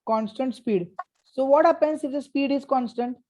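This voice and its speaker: Mellow South Asian woman teaching maths. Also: high voice, normal speed, slight background noise. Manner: stern, prodding, repeatedly checks for answers. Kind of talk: interactive maths lesson.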